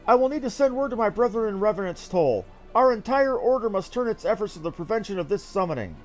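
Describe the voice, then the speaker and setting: A man voicing an earnest, self-assured young noble scholar from a fantasy game, reading dialogue in a formal, measured way. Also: high-pitched, lively intonation, faint music behind. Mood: formal, determined.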